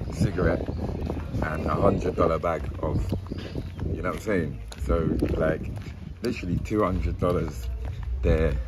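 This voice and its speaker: A man talks at a moderate pace while loud background noise carries on around him. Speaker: vlogger. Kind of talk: casual vlog chat. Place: street. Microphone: phone near.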